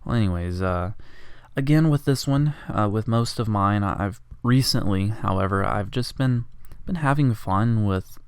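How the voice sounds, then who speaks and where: An art vlogger at home narrates his drawing in a lowish, smooth voice at a moderate pace, captured in a dry recording. He sounds congested and rambles in a jokey, self-deprecating, casual way.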